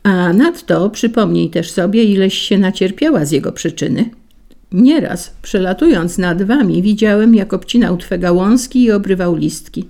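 A woman's voice: medium pitch, normal speed, dark tone, natural voice. A woman voicing a spiteful, boastful male wind. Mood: sly. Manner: sly and taunting, rising to bluster.

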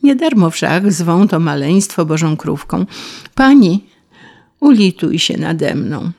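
A woman's voice: fairly low pitch, very animated, slow, darkish tone, exaggerated voice. A woman voicing a weak, starving male grasshopper who begs for help in a plaintive way. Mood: pleading.

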